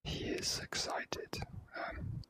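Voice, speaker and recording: Casting: ASMR gaming host, fully whispered, very slow delivery, hesitant and formally worded. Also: pushed and bright. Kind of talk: whispered ASMR game commentary.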